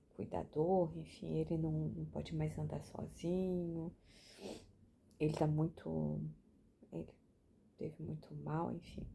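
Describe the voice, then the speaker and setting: A woman's voice: on the low side, creaky, dark tone, slight background noise. A young woman sharing a casual, chatty reflection with lots of fillers and restarts. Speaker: book reading vlogger.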